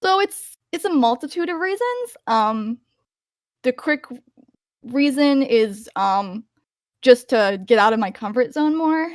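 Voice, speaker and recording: Chatty higher-voiced young woman. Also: sing-song, slow pace, no room sound, clean studio sound. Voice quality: higher-pitched voice. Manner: chatty, many fillers and restarts. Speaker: voice actor guest. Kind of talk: casual interview answers.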